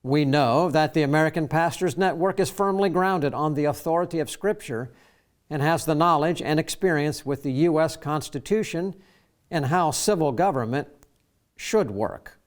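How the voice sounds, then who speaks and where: A man hosting a faith-based talk program, his voice sitting a little high for a man. He reads in a measured, formal way. When he speaks off the cuff he trips over fillers. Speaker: radio show host. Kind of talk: scripted program introduction and interview.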